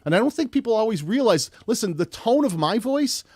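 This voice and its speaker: A man with a loud voice hosting a live-streamed tutorial, chatty and rambling with frequent restarts. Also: high voice, big pitch swings, a little fast, husky, no room sound. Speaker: host.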